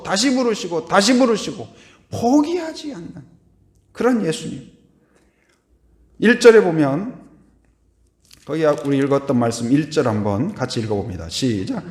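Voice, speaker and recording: Animated preaching man in echoey church. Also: a little high. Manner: asks the congregation questions and has them repeat lines; swings between hushed and loud delivery. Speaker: pastor. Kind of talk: Sunday sermon. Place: church sanctuary.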